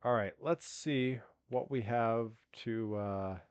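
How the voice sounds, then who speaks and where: A man's voice: medium pitch, slow pace, clean tone, dry recording. A man streaming a video game, chatting casually and rambling, congested from allergies so he sounds like he has a cold. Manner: rambling, with many restarts and fillers. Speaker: gaming streamer. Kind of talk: casual live-stream chat.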